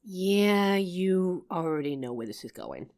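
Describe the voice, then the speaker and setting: A woman's voice: lowish voice, measured pace. A woman playing a loving, teasing working wife, tired after work, in an affectionate roleplay addressed to the listener. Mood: exasperated. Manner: affectionate, playful, expressive.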